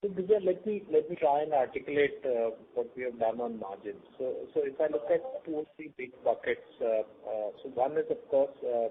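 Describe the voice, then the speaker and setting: A man's voice: medium pitch, brisk, hardly any pauses, slightly rough. A male company executive answering on an earnings call, hesitant and repeating words as he structures his points. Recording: narrowband phone line, faint background noise.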